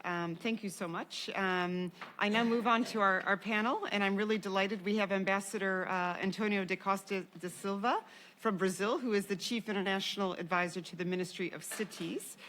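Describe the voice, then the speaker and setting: A woman moderates a panel and introduces each speaker, often pausing and restarting mid-sentence. Her voice sits at a middle pitch, and there is a faint background hum. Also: steady tone, fairly bright tone. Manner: halting, with frequent pauses and restarts.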